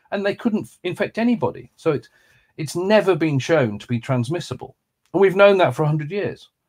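A man with a Lancashire accent speaks at a fairly quick pace in a high pitch. His loudness swings widely. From northern England, Lancaster. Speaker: health author. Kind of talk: casual interview.

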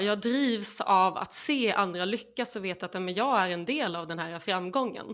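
Speaking at a fairly slow pace, a woman sounds animated, with lively intonation, on a very clean recording with a silent background. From Sweden, Halland (Laholm). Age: 30s. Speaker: sales manager. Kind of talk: podcast interview.

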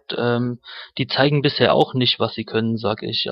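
Speaking at a moderate pace, a man holds a medium pitch in monotone, flat intonation. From southern Hesse, Germany (near Darmstadt). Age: 20s. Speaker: football fan club member. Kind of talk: casual interview.

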